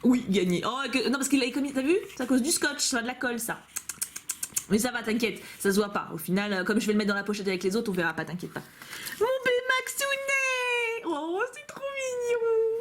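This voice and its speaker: She talks fast in a medium-pitched voice, a young YouTuber going through fan mail in a casual home vlog recorded on a camcorder. Slight background noise accompanies her playful, gushing chatter over the fan-made cards, broken by frequent laughter.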